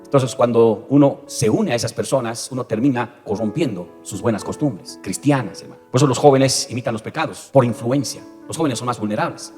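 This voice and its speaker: A pastor preaching a sermon, often turning to the congregation with rhetorical questions. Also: male voice, medium pitch, a little fast, hardly any pauses, dark tone, long reverb tail, faint music behind. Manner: preaching with frequent direct address and rhetorical questions.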